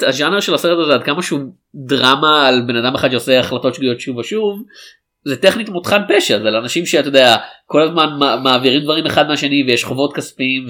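A man chatting casually about a film as a podcast co-host, animated and rambling with restarts. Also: medium pitch. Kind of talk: casual film review chat.

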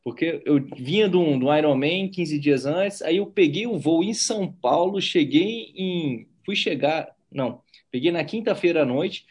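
A man from Brazil leads a relaxed conversation, animated and chatty and full of casual tags. His voice sits a little high for a man. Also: normal speed, few pauses, husky. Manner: animated, chatty, frequent "né?" and slang. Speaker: interviewer.

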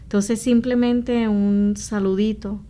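A Puerto Rican woman appears as a missionary guest in a conversational interview, earnestly explaining things as she gives her testimony. Her mid-range voice is mellow and level in tone, and she speaks slowly.

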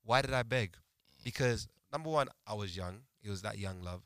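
A man's voice: lowish voice, moderate pace, a bit bright, clean tone, no room sound, clean studio sound. A young man, telling stories in casual, slangy street talk full of banter. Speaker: podcast participant. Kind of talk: animated casual banter and storytelling.

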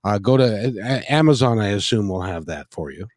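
A man's voice: on the low side, animated, fairly quick, darkish tone, no room sound, studio quality. A middle-aged man hosting a casual music interview, effusive and rambling, often repeating his phrases. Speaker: interview host.

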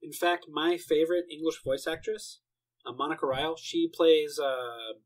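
A man's voice: on the high side, fairly even intonation, normal speed, low-quality recording. A young man rambling casually about anime, swearing often and filling gaps with "like" and "uh". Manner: rambling, profane, frequent fillers. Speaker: anime fan. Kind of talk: casual monologue.

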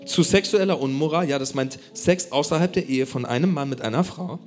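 A man preaching a sermon, addressing the congregation directly in an animated way. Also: on the high side, fairly quick, soft background music. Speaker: pastor.

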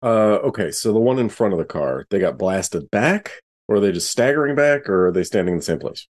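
A man's voice: on the low side, animated, fairly quick. A man playing a tabletop game, asking questions and discussing moves in casual chat.

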